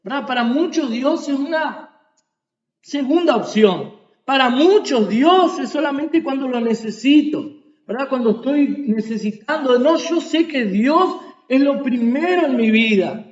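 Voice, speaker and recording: Male pastor, very high voice, emphatic sermon, dull lo-fi church recording. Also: expressive, unhurried. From Uruguay. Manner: emphatic, rhetorical questions, repeats "verdad"; cries out quoted pleas loudly. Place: church sanctuary. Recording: echoey church, dull lo-fi sound.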